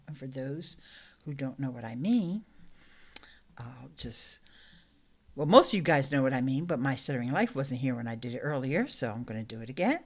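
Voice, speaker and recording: A woman's voice: low voice, fairly bright tone. A middle-aged woman hosting a casual live stream, chatting upbeat with her viewers and laughing often. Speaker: YouTube live stream host. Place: small room indoors.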